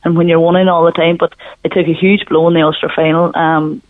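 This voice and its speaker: A woman's voice: low-pitched, level tone, fast talker, no room sound. Donegal woman pundit on a thin phone line. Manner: conversational, colloquial. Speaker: sports pundit. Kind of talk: sports analysis in radio phone interview. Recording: thin phone line, dry, band-limited.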